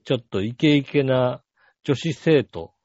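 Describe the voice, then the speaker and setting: A man's voice: mid-range voice, expressive, unhurried, a little mellow, no echo, lo-fi sound. A man co-hosting a podcast, telling a rambling story in casual chat with many fillers. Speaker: podcast co-host.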